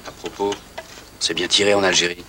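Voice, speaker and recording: A laconic army veteran chatting casually in a film comedy. The voice is deep, with clear noise around it. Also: male voice, little pitch movement, a little fast, sharp tone. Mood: wry. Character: laconic male army veteran reminiscing with a mate. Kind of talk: casual banter.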